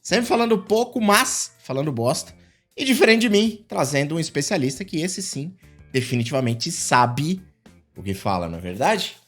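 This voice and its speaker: A man's voice: on the high side, very animated, normal speed, a bit bright, faint music behind. A man hosting a podcast interview, playful and hammy, who keeps repeating his catchphrase. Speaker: podcast host.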